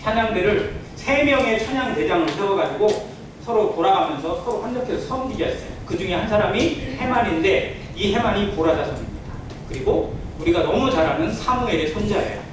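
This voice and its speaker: A man's voice: sits high, lively intonation, fairly quick. A man preaching as a pastor in a church sermon, earnestly explaining and putting rhetorical questions to the congregation. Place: indoor church sanctuary. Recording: very echoey church hall, distant mic, faint noise.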